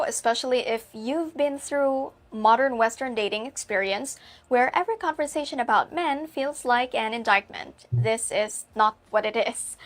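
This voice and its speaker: Female video presenter from the Philippines, higher pitch, pointed scripted delivery. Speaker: video channel host. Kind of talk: scripted advice video narration.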